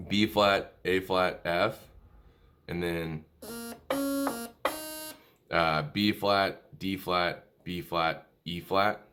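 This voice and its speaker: A man's voice: low voice, steady tone, extremely slow, pauses often, background noise. A man presenting an informal music tutorial, talking through notes hesitantly as if thinking aloud. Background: musical instrument playing.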